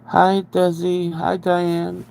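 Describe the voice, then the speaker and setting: A man talks in a loose, rambling livestream chat with a stuffy, congested nasal tone. His voice sits a little high and carries a gravelly, fry-heavy texture. He speaks right up against the microphone, so his breaths are audible. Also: completely flat delivery, slow, darkish tone, slight background noise. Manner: chatty, rambling, greets viewers. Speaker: livestream host. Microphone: very close to the microphone, breathing audible.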